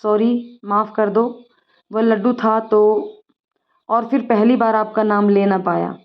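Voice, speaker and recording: A woman's voice: medium pitch, fairly even intonation, measured pace, lightly acted. Woman voicing a shy lovestruck young man. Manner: gentle, apologetic, bashful. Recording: dull lo-fi recording.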